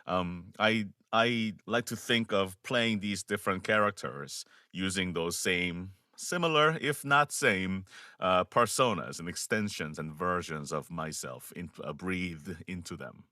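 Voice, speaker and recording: A man with a Korean accent, a voice actor giving measured, thoughtful interview answers with frequent pauses and restarts. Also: low-pitched, sharp tone, dry recording, studio quality. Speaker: voice actor guest.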